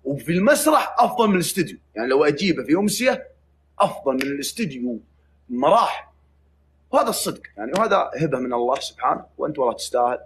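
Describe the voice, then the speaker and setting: A man's voice: fairly high pitch, big pitch swings, very fast, slight background noise. A man with a Saudi accent hosting a livestream, chatting casually with joking, mock-threatening banter. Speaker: livestream host.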